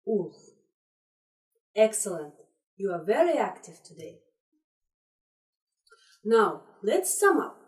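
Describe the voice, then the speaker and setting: A woman English teacher giving a lesson to young children, encouraging and repeating instructions slowly. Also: medium pitch, very animated. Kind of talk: classroom lesson for young pupils. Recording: roomy echo, distant mic.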